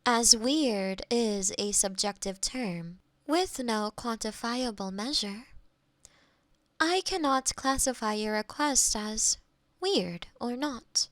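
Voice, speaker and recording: A woman's voice: fairly high pitch, slow pace, no room sound. A woman playing a polite AI girlfriend eager to please, speaking in stilted, precise phrases in an intimate close-miked roleplay. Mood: calm, clinical. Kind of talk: scripted intimate roleplay audio. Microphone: close binaural microphone.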